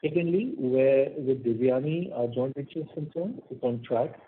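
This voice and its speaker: A man's voice: mid-range voice, normal speed. Indian man on a narrowband call. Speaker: company executive answering questions. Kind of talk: earnings call answers. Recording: tinny narrowband conference phone line.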